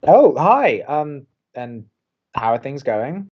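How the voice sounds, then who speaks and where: A man's voice: a little high, sing-song, takes it slowly, lo-fi sound, exaggerated voice. A man playing a dry, skeptical, awkward young college radio co-host in an audio drama. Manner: dry, hesitant.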